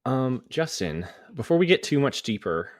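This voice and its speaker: A man co-hosting a casual movie podcast, chatty and relaxed, laughing easily as he shares film facts. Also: mid-range voice, moderate pace, no room sound, clean studio sound. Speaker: podcast co-host.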